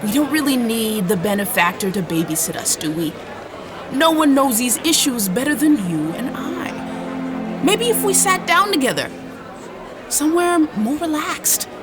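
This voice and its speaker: A woman's voice: sits high, very animated, normal speed. A woman acting in an audio drama as an earnest, persuasive, weary negotiator on a future colony planet. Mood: pleading, persuasive. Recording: music under the voice.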